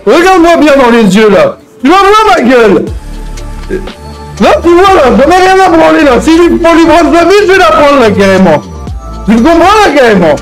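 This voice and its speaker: A man's voice: very high voice, big pitch swings, normal speed, music in the background, full character voice, low-quality recording. A man playing an aggrieved, crude, threatening hostage-taker out for revenge in an improvised online game roleplay, swearing and repeating his verbal tics. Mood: vengeful. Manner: verbal tic-laden, crude, ranting, swearing.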